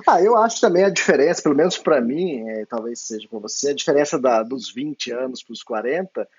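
A Brazilian man with a Brazilian Portuguese accent hosting a podcast interview, speaking calmly and reflectively. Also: medium pitch, fairly quick. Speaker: podcast host. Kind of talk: casual interview conversation. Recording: dull lo-fi podcast audio.

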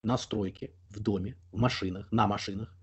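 A young man being interviewed, talking at length in an opinionated way, often pausing on fillers. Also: on the low side, steady tone, breathy edge. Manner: talkative, opinionated, explains at length with frequent fillers. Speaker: interview guest. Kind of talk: casual conversational interview.

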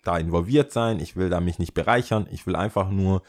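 A man, a guest on a podcast, telling a casual story in an animated way and dropping English slang into his talk. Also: deep voice, a little fast.

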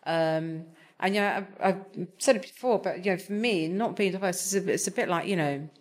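A TV executive speaks on a panel in a conversational way, her voice on the low side and her pace normal. She sounds hesitant, often restarting and using plenty of fillers.

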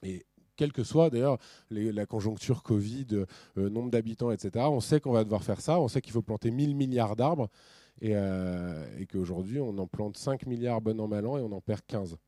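A man speaking at a conference, talking over his slides in a loose, lively way, often restarting his sentences. His voice is warm and mellow, recorded close and dry with almost no room sound. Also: lowish voice, normal speed, no echo. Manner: lively, many restarts and fillers.

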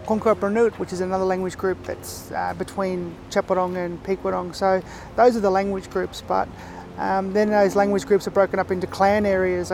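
A man from Victoria with an Aboriginal Australian accent, explaining things reflectively in casual interview talk, often pausing mid-thought. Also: sits high, vocal fry, background noise. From Far East Gippsland, Victoria, Australia. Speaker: interview guest.

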